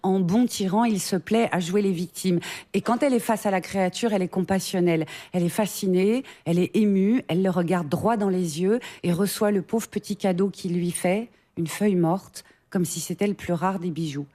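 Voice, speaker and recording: A woman's voice: on the low side, a little fast, few pauses, mellow. A woman reading an ironic, scripted humorous column in a radio studio. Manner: ironic storytelling read from a script.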